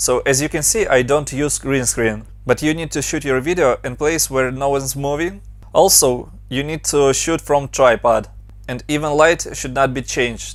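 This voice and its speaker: A man talks at a moderate pace. Behind him there is music in the background. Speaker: motion designer, video tutorial creator. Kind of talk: software tutorial.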